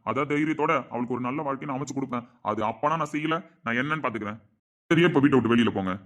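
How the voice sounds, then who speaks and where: A man's voice: mid-range voice, rapid-fire, fairly bright tone, lightly acted. A man playing a middle-aged father who defends his daughter with emphatic, indignant speech in a family drama. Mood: angry. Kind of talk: amateur family drama acting.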